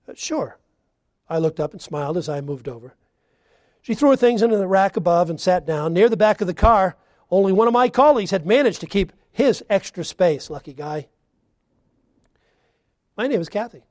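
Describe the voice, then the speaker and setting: A man preaching a sermon, moving between loud emphatic lines and quiet, hushed ones. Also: on the high side, no echo, studio quality.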